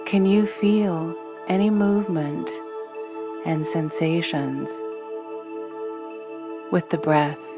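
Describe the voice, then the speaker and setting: Female meditation guide, lowish pitch, very unhurried and soothing, short phrases with long pauses, new-age music clearly underneath. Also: flat delivery. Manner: gentle, soothing, soft-spoken delivery with long pauses. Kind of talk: scripted guided meditation narration.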